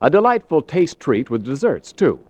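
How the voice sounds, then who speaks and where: A man as radio announcer, reading a 1940s sponsor message in a smooth, salesy delivery. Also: a little high, sing-song, moderate pace, a little mellow, no echo. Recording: dry, dull lo-fi vintage broadcast.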